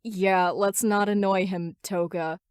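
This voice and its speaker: A woman's voice: mid-range voice, steady tone, takes it slowly, a little mellow, smooth, dry recording, clean studio sound, natural voice. A woman voicing an awkward, polite young lizard man in a story reading, mumbling and sheepish. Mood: placating.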